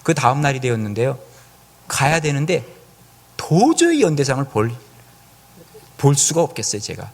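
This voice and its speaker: A male pastor preaching in a church, telling a lively personal story and asking the congregation questions. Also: mid-range voice, normal speed, pauses often. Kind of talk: sermon.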